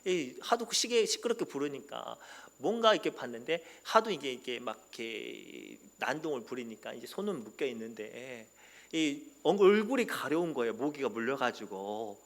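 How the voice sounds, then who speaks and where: A man preaching a sermon as pastor, animated and sometimes shouting. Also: medium pitch, moderate pace, vocal fry. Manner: animated, acts out quoted voices and sometimes shouts.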